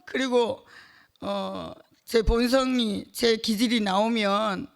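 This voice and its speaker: Slow, gravelly woman giving a halting testimony. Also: fairly high pitch, fairly even intonation. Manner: halting, with many fillers, laughing between phrases. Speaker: church member giving testimony. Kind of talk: emotional personal testimony at a church gathering. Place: church gathering hall.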